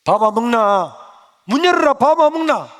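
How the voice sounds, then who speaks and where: A woman's voice: medium pitch, animated, a little fast, slight background noise, pitched above the performer's own voice, close to an everyday voice. A male preacher voicing an angry middle-aged mother who scolds her son in a Gyeongsang accent, in an echoey church hall. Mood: shouting. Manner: shouting, scolding.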